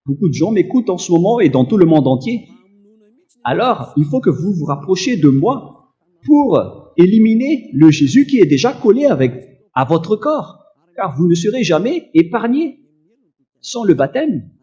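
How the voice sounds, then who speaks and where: A man preaching a sermon, slow and emphatic with frequent hesitations and a slight cough. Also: sits high, sing-song, mellow, muffled recording. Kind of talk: sermon teaching.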